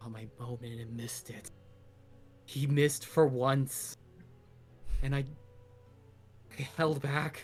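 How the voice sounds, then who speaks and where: Using a put-on character voice at medium pitch, a man talks at a fairly slow pace with long, frequent pauses while faint music plays in the background. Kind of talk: haunting. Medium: actual play. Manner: solemn, cryptic.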